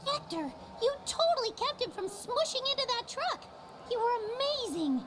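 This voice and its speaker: A woman's voice: very high-pitched, sing-song, normal speed, heavy background noise. A woman voicing an eager, wide-eyed little boy bee sidekick in a cartoonish audio drama. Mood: admiring. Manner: eager, childlike. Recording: loud music under the voice.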